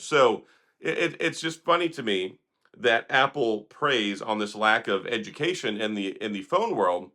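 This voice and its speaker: A hoarse man, sick for days, hosting an opinionated tech commentary vlog in a sarcastic, critical, rambling manner. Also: on the low side, bright, forceful tone. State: hoarse, recovering from illness. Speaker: tech video host.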